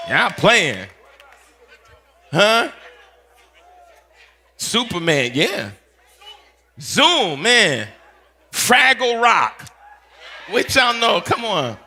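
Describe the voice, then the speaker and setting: A pastor in his fifties, talking in a playful, animated way and teasing his audience with quick call-outs. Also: sits high. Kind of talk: playful teaching session talk.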